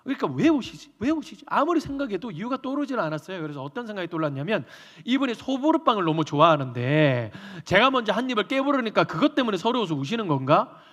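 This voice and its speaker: A man's voice: high voice, quick pace. A male pastor preaching a storytelling sermon in a church sanctuary, acting out the dialogue of the people he describes. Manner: animated, acts out dialogue. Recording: reverberant church hall.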